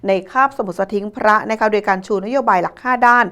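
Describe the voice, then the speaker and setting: A woman presents a scripted news report as a news presenter. Her voice sits at an average pitch for a woman. The delivery is polite and formal. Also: fast, fairly bright tone, smooth.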